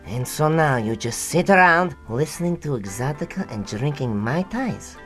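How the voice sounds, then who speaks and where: A woman's voice: deep voice, expressive, normal speed. A woman playing a grandiose, indignant young male mad scientist in a melodramatic comedy radio play. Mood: grandiose outrage. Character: pompous young male mad scientist, theatrical upstart villain. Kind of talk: comedic radio drama acting. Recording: music behind the voice.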